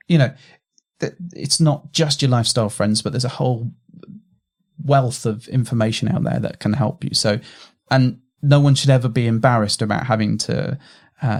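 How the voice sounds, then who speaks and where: A man co-hosting a podcast, offering earnest, rambling advice full of fillers and restarts. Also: on the low side. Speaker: podcast co-host. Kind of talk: casual podcast chat.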